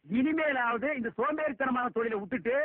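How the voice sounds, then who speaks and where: A man in a film comedy scene, scolding and mocking others with quick insults. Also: extremely high pitch, dry recording. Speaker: comic film actor. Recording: tinny lo-fi film audio.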